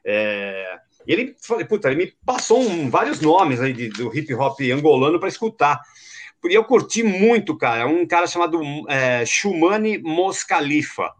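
A man's voice: on the high side, big pitch swings, normal speed. Guy from são hosting a podcast, rambly and slangy, voice bounces all over. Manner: rambling, lots of fillers and slang. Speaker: podcast host. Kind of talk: casual podcast chat.

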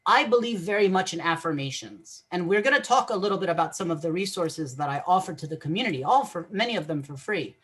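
Husky-voiced man explaining earnestly. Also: high-pitched, lively intonation, quick pace, hardly any pauses, fairly bright tone. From Egyptian family, raised English-speaking. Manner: earnest, explanatory, repeats words while thinking. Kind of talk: podcast interview.

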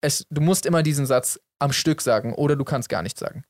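A young man co-hosting a casual chat, relaxed and joking as he explains a game. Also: on the high side, fast talker, dry recording. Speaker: podcast co-host.

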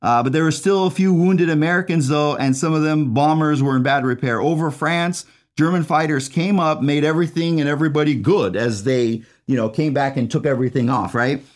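A man talks through a novel in a loose, conversational review, his voice sitting slightly high for a man. He keeps checking in with his listeners and reads a passage aloud between his own remarks. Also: brisk, few pauses. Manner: chatty, tag questions, reads passage aloud. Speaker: book reviewer. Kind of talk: casual book review.

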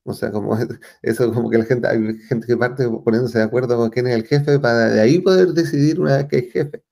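A man from Chile with a Chilean accent, talking as an interview guest in a thoughtful way, often pausing and restarting as he searches for words. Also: medium pitch, vocal fry, warm tone. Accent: Chilean Spanish. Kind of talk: reflective conversational interview.

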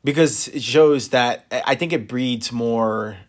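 A man's voice: mid-range voice, unhurried. A young man co-hosting a casual podcast, talking loosely with swearing, laughter and frequent restarts. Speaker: podcast co-host. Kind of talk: casual chat.

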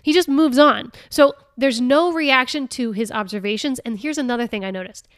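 A woman hosting a casual solo podcast, chatty and laughing often, reading passages aloud with lively expression. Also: sits high, moderate pace, no echo, clean studio sound. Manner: chatty, laughing often, with many fillers and restarts. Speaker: podcast host.

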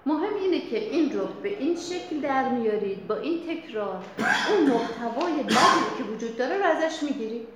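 A woman psychologist leading a workshop, explaining in a lively, chatty way to the audience. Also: sits high, crowd noise. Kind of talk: workshop lecture. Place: workshop room. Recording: very echoey room.

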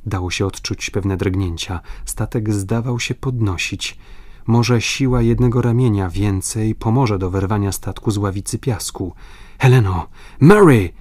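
A man reading a classic adventure novel aloud in a measured, literary way. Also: fairly low pitch, a little mellow, no room sound. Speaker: audiobook narrator. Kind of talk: scripted narration.

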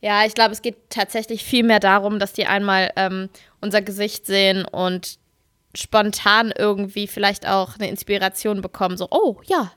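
A woman's voice: medium pitch, level tone, moderate pace, a bit bright, no echo, clean studio sound. A woman chatting casually and comedically as a podcast co-host, self-ironic and thinking aloud as she goes.

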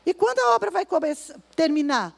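High-voiced woman preaching a sermon. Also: big pitch swings, vocal fry. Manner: slow emphatic scripture reading; acts out complaining voices in asides. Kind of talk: sermon at a women's service.

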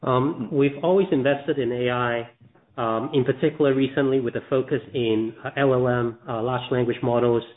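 A man giving measured business answers on an earnings call. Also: medium pitch, fairly even intonation. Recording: narrowband phone line.

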